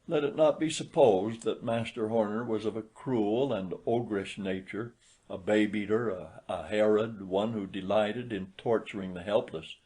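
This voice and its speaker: Male audiobook reader, lower register, scripted literary narration. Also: moderate pace, dark tone.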